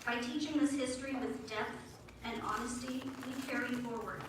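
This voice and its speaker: A woman, a second-generation Vietnamese American, giving a measured, formal prepared speech as guest speaker at a commemoration. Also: sits high. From United States. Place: large event hall. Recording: echoey hall, distant mic, noisy.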